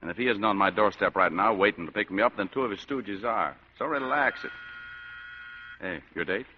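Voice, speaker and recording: A man's voice: on the low side, fairly quick, a little hiss or hum, close to an everyday voice. An actor playing a hard-boiled male private eye with dry wisecracks and tough slang, in 1940s radio acting. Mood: wry. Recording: dull lo-fi old radio broadcast.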